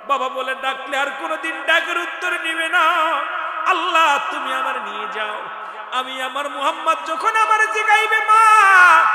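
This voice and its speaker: A man preaching a chanted sermon, moving between quiet storytelling and sung, shouted wailing. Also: very high-pitched. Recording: echoey hall with music behind.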